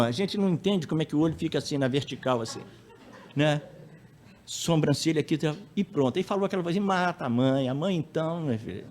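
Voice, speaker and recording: This male speaker has a fairly high pitch and a darkish tone. He delivers a conversational public talk at a spiritist center, frequently tacking questions onto his sentences and dramatizing anecdotes.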